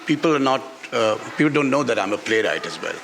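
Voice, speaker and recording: A Pakistani man, an author and playwright, is interviewed unscripted on a festival stage in front of an audience at a book event. His medium-pitched voice is bright, forceful, expressive and gravelly, and he speaks haltingly, repeating phrases for emphasis. Hall reverb fills the space over faint background noise.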